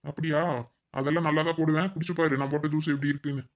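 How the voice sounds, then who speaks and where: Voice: medium pitch, little pitch movement, racing, narrow, tinny audio, natural voice. A performer voicing a caring young village husband in a cartoon who fusses and nags out of concern. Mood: fussing. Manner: fussing, nagging with concern. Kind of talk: cartoon voice acting.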